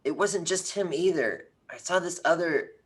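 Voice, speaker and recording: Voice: mid-range voice, normal speed, husky, close to an everyday voice. Performer as an earnest, stammering teenage boy. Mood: earnest, hesitant. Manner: stammers on words. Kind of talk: script read at a virtual table read.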